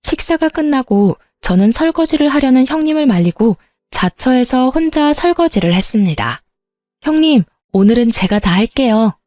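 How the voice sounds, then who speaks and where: A woman narrating a dramatized story in a calm, steady manner and voicing herself in it. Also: high voice, normal speed, dry recording.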